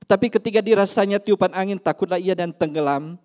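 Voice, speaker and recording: A pastor preaching a sermon in church, swinging between loud emphasis and soft asides. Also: male voice, sits high, fast talker.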